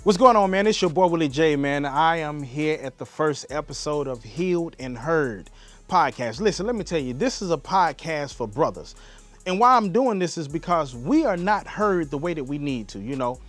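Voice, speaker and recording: A man's voice: fairly high pitch, animated, moderate pace, a bit bright, soft background music. A man from Alabama with a Southern Black American accent hosting a casual solo podcast, talking straight to listeners in a folksy way full of rhetorical questions. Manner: folksy, direct address with rhetorical questions and endearments like "baby". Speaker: podcast host.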